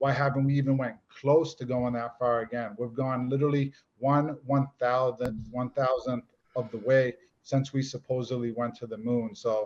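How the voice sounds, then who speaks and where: A man talks in a Boston accent at a medium pitch. His pace is moderate and his intonation monotone and flat. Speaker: YouTuber, guest debater. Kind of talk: podcast debate.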